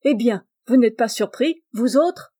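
A woman reading aloud and voicing a bluff, hearty male farmer who talks in gruff exclamations. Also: fairly high pitch, measured pace, dark tone.

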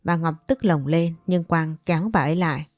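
A woman's voice: low-pitched, normal speed, a little mellow, no room sound. A woman narrating a first-person story in a blunt, hot-tempered manner.

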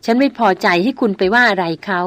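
A woman's voice: a little high, quick pace, dry recording, lightly acted. A woman doing a headstrong young noblewoman. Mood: cool. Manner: firm, insistent.

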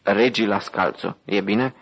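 A man reading the lines of a calm, cool-headed detective who speaks with dry irony, in a low, husky voice. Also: rough recording. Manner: calm, dryly ironic.

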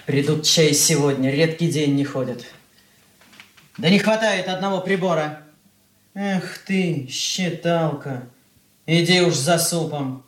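A woman's voice: low-pitched, slow, long pauses. An actress playing a fussy older housewife and mother who scolds the maid while checking the table in a radio drama. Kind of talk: 1980s radio drama acting. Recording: roomy room, from a distance.

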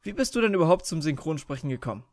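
A man's voice: a little high, animated, rapid-fire, no room sound. A man hosting an interview, introducing his guest and asking questions. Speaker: interview host. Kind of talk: interview presenting.

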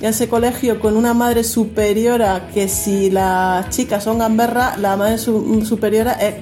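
A woman's voice: on the high side, steady tone, measured pace, music in the background. A woman host in casual radio chat, talking about a TV series in a chatty way, laughing easily and often restarting her sentences.

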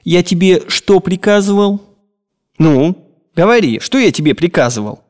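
A man reading an audiobook, voicing a grumbling, tyrannical old gentleman with a nagging, theatrical way of talking. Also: sits high, animated, moderate pace, pitched above the performer's own voice. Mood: interrogating.

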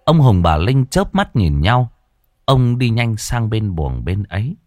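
A man's voice: lowish voice, very animated, a little slow, warm tone, no echo, soft background music. A man narrating a ghost story in a dramatic, suspenseful way.

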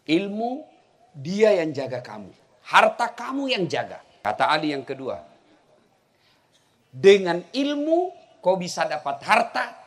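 A middle-aged male preacher, giving a humorous religious lecture and telling stories with shouts and laughter. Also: extremely high pitch. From South Sulawesi. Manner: animated storytelling, bursts into shouts and laughter.

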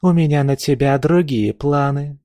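A man's voice: a little high, normal speed, no echo, pitched above the performer's own voice, close to an everyday voice. A man putting on a haughty mocking princess. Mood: scornful. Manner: mocking, imperious, shouting. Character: haughty scornful young Ottoman princess.

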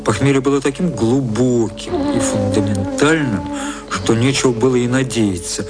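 A man narrating a satirical literary radio play in a measured, composed way. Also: medium pitch, big pitch swings, lightly acted. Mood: composed, ironic. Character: composed male storyteller of a satirical novel. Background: loud music.

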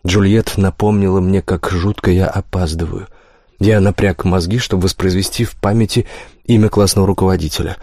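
A man narrating a first-person novel as an audiobook, calm and steady, with wry asides. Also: sits low, dry recording, clean studio sound.

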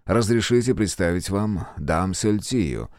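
A man reading a courteous, brisk gentleman scholar of magic in his own low voice. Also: lively intonation, no echo, clean studio sound.

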